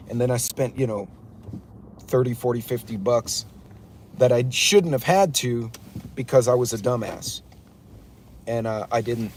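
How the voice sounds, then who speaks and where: This prepper channel host from West Texas vlogs live while driving his pickup, bluntly ranting road-safety tips to viewers in chat. He has a mid-range, slightly mellow voice, and there's a faint hiss or hum in the recording.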